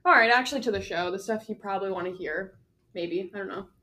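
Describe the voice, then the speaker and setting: A young woman in her twenties hosts a relaxed podcast chat. She talks quickly and casually, drops the odd swear word and laughs easily. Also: mid-range voice. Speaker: podcast host.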